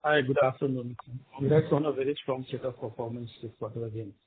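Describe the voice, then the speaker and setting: A poor, tinny phone connection carries a husky man with an Indian accent. He puts an analyst's question to a company, halting and restarting in broken phrases. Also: mid-range voice, steady tone. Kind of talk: conference call question.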